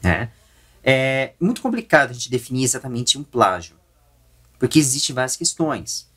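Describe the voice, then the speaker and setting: A man with a Brazilian accent gives opinion commentary as a YouTube host, explaining in a halting way and often correcting himself. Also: mid-range voice, big pitch swings, sharp tone.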